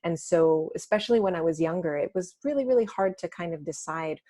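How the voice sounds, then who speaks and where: A woman's voice: lowish voice, expressive, fairly quick, dark tone, dry recording, clean studio sound. An American woman in her thirties, a jazz singer speaking thoughtfully as an interview guest, with many fillers and restarts. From United States. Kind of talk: casual interview chat.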